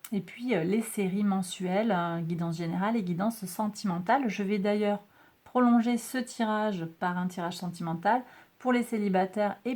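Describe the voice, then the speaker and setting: In a lowish, darkish voice, a woman reads tarot cards and astrology for her audience as a relaxed monthly forecast. She chats warmly and reassuringly, speaking to viewers as a group and tagging lines with little checks like "hein" and "d'accord."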